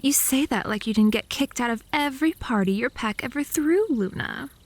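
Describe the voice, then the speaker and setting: A woman voicing a haughty, jealous vampire woman in an ASMR roleplay, snide and mocking in a deliberate delivery, close to the microphone. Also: fairly high pitch, animated, no room sound. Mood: scornful. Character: haughty, jealous, sharp-tongued vampire woman, obsessive stalker. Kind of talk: ASMR roleplay, comic bickering.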